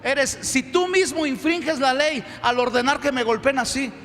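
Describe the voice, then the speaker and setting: A man voicing the apostle Paul as an indignant grown man shouting accusations, in a reverberant hall. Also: extremely high pitch, moderate pace. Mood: furious.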